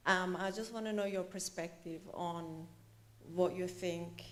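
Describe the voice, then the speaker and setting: A woman's voice: lowish voice, fairly even intonation, measured pace. A woman in the audience politely asking a question, with many hesitant fillers.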